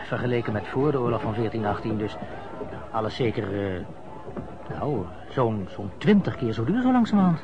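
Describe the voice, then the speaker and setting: An actor playing a curious listener in a radio drama, asking questions and exclaiming in conversational amazement. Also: male voice, mid-range voice, expressive, normal speed, natural voice. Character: curious male listener prompting an old man's memories, amazed. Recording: muffled old radio recording, noisy background.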